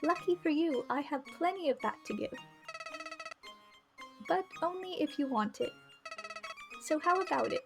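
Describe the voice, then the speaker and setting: Talking flower for a game, played by a woman: high-pitched, folksy, coaxing, secretly cruel. Music underneath. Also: animated, moderate pace, vocal fry, long pauses. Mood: sweetly coaxing. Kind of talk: visual novel character read-aloud.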